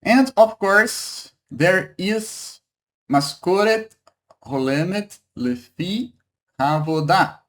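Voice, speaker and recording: A man from Brazil with a Brazilian Portuguese accent, teaching a Hebrew lesson in English, halting and repeating words, checking in with "okay?" and "right?". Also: high-pitched, animated, fairly bright tone. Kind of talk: online language lesson.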